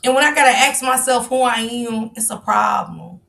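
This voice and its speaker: A woman's voice: fairly high pitch, moderate pace, vocal fry, fairly bright tone. A woman, hosting a livestream and speaking candidly to viewers in casual, confessional chat. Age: 40s. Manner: candid, confessional, talks straight to viewers and calls them baby. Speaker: livestream host. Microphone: livestream mic.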